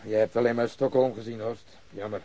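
An actor playing a police interrogator in an audio drama, probing and clipped. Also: male voice, medium pitch, steady tone, a little fast, mellow, natural voice.

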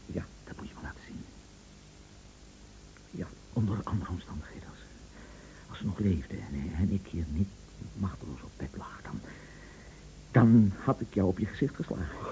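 Brooding, bedridden husband, lowish voice with wide swings, halting radio-drama delivery, dull old recording. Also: male voice, lively intonation, mellow, a little hiss or hum. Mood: bitter, anguished. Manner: halting, repeating words, dropping to whispers. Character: anguished bedridden husband, brooding, jealous, waiting for news. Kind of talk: Dutch radio play acting.

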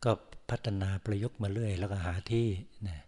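A man's low, mellow voice delivers a dharma talk at a forest monastery. He keeps an even, level tone throughout. He speaks in slow, measured phrases with many pauses. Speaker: Buddhist monk giving a dharma talk. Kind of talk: sermon.

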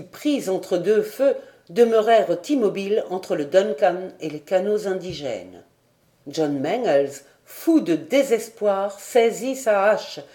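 A woman's voice: mid-range voice, mellow. A woman narrating a classic adventure novel as an audiobook, reading expressively and dramatically. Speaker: audiobook reader.

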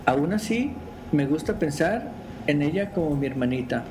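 A man's voice: fairly high pitch, lively intonation, normal speed, background noise. A man hosting a podcast, chatting casually and reading stories aloud. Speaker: podcast host.

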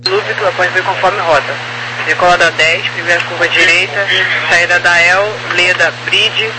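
Man, high voice, Brazilian accent, air traffic controller, procedural phrases, crackly noisy radio. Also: fairly even intonation, moderate pace. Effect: aviation radio. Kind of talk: procedural clearance over radio.

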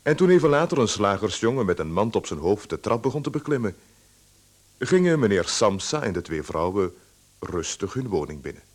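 A man with a husky voice reading calm, detached literary narration for a radio play. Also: on the low side, brisk. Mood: calm, sombre. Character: calm, detached male storyteller.

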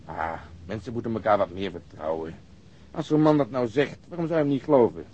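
An actor playing a sardonic police detective in a Dutch radio drama, telling things in a dry, ironic way. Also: male voice, on the low side, a little fast, dark tone, close to an everyday voice. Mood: dryly ironic. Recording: muffled radio drama recording.

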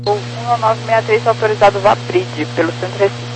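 A man's voice: sits high, steady tone, moderate pace, music in the background. A man working as an air traffic controller directs flights in clipped procedural phrases over crackly radio. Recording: humming, noisy radio transmission.

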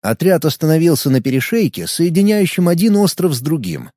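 A man narrating a first-person audiobook in a lively reading manner. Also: fairly high pitch, a little fast, no echo, studio quality. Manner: lively reading, shouting out dialogue lines.

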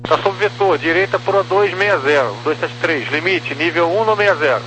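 A man's voice: on the high side, normal speed, bright, forceful tone. A man with a Brazilian accent giving clipped air traffic control instructions over a two-way radio, like a walkie-talkie. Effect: heard over two-way radio, like a walkie-talkie. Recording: humming, noisy two-way radio channel.

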